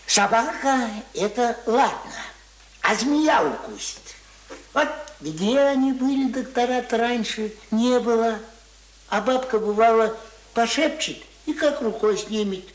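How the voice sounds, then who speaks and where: A man's voice: extremely high pitch, lively intonation, a little slow. An actor in a radio play voicing a grumbling, stubborn old village man with sarcastic, rustic speech. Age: older. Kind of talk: radio play acting of rural folk dialogue. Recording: roomy, echoing radio drama recording.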